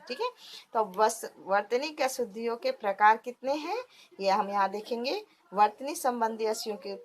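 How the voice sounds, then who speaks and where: A woman teacher explaining a textbook lesson patiently, often asking the listener questions as she goes. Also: fairly high pitch.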